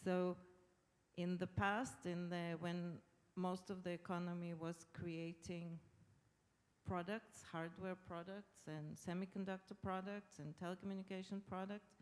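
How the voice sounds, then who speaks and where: A woman's voice: fairly low pitch, little pitch movement, unhurried, a little mellow. Woman, middle-aged, Israeli accent, native Hebrew speaker, panel talk, long hall reverb. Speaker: panelist, government official. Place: large conference hall.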